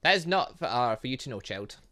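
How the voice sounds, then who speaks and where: A man's voice: mid-range voice, sing-song, fairly quick, pushed and bright, pitched below the performer's own voice. A man voicing a stern, haughty woman in a visual novel game, curt and condescending. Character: stern, haughty older-sister woman guarding a cafe.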